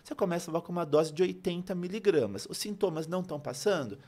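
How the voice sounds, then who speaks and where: A Brazilian man with a slightly high-pitched voice talks as a guest expert on a podcast. He explains things in a didactic, conversational way, repeating phrases for emphasis and asking questions that he then answers. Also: lively intonation, quick pace, a little mellow. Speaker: guest pharmacist on a health podcast. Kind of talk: animated explanatory podcast talk.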